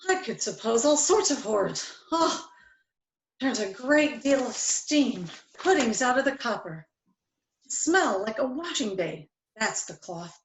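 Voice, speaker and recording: A woman playing a kindly, good-humoured father in a storybook play, expressive and affectionate. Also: a little high, a little slow. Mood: excited. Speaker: amateur reader, library staff. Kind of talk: dramatic reading of a classic story. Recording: echoey room.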